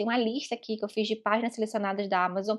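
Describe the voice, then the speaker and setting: A woman's fairly high voice against a quiet background. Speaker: book YouTuber. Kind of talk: casual vlog with shopping tips. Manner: fast; chatty, with filler words.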